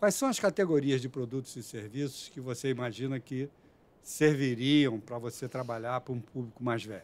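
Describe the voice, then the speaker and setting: A man with an unremarkable speaking voice talks at a moderate speed and ordinary pitch variation, on a very clean recording with a silent background. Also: medium pitch for a man. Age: 60s. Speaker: advertising executive. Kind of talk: casual chat.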